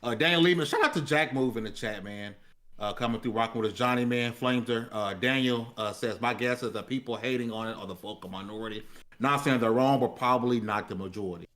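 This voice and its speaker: A man's voice: mid-range voice, fast talker, fairly bright tone. A man chatting casually as a panelist on a live gaming show. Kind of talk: casual chat.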